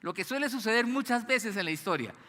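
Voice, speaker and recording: A man's voice: sits high, lively intonation, fast, pushed and bright, in a large hall. A man preaching a sermon as pastor, asking the congregation to call out the missing words. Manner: asks the congregation to fill in words. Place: church hall.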